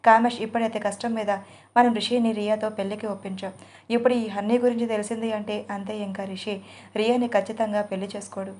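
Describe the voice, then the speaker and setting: A woman's voice: medium pitch, little pitch movement, fast talker, close to an everyday voice. A woman voicing a ruthless, scheming male company boss who barks orders in an audio story. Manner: shouting, commanding.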